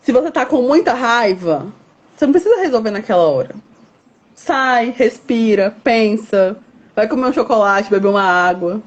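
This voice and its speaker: A woman's voice: fairly high pitch, expressive, moderate pace, muffled recording. A woman hosting a casual online conversation, explaining at length with everyday examples. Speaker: host. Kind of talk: casual chat.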